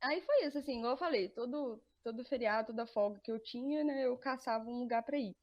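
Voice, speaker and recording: A woman's voice: on the high side, quick pace, muffled recording. A young woman with a Brazilian Portuguese accent, a podcast guest chatting casually, laughing often and restarting her sentences. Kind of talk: casual interview chat.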